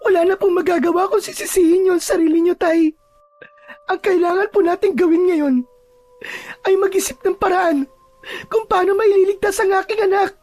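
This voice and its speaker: An actress plays a distraught mother in an audio drama. Her voice is extremely high, with an anxious, tearful, melodramatic plea in it. Faint music runs beneath. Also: normal speed, a little mellow, no room sound. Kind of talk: Filipino audio drama acting.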